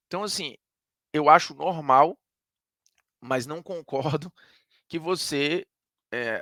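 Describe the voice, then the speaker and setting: A man's voice: mid-range voice, a bit bright, no echo, studio quality. A man from Ceará with a Northeastern Brazilian accent, a sports commentator giving an emphatic, conversational opinion monologue that argues point by point.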